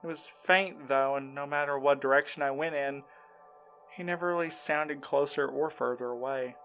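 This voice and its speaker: A man acting in an audio drama as a shaken, insistent man recounting a frightening ordeal in a halting, earnest way. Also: fairly high pitch, steady tone, a bit bright, soft background music. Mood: insistent, defensive.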